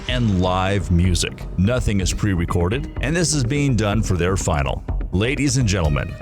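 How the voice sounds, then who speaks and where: A male radio announcer delivers a scripted, showy introduction. His voice is fairly low and swoops with lively intonation. Music plays clearly behind him. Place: radio studio, live broadcast.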